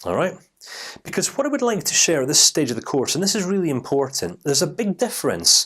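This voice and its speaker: Very wide pitch swings in a Scottish accent. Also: man. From Scotland. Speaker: life coach, online course instructor. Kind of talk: online course lecture.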